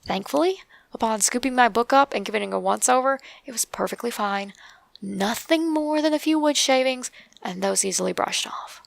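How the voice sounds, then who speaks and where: A woman with an Appalachian accent narrates a first-person scary story in a creaky voice, measured and with dramatic pauses. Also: on the high side, no room sound. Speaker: narrator of true scary stories.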